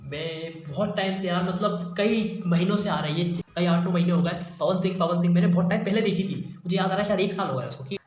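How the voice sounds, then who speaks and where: A man's voice: sits high, brisk, hardly any pauses. Rambling, apologetic man teaching mimicry. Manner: rambling, self-deprecating and apologetic. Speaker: mimicry tutorial YouTuber. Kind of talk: casual spoken tutorial. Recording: very echoey room, faint noise.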